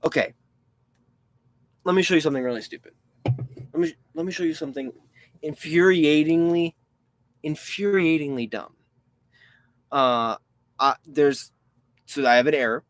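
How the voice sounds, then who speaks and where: Young guy in his 20s rambling through a live stream, dry close sound, mid-pitched, answers chat and mutters when stuff breaks. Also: normal speed, long pauses, dry recording. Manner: chatty and rambling, reads chat questions aloud, frustrated asides. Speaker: online reseller hosting a live stream.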